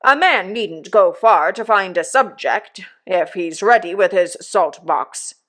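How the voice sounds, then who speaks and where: A woman voicing a pompous, self-satisfied older uncle who lectures slowly and emphatically. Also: fairly low pitch, lively intonation, a bit bright, full character voice. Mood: pompous lecturing.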